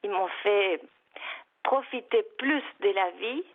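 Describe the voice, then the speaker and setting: A middle-aged woman, not a native French speaker, calling in to a radio show and talking haltingly, repeating words and searching for them. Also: medium pitch. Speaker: caller. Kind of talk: emotional call-in confession. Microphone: telephone. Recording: phone line.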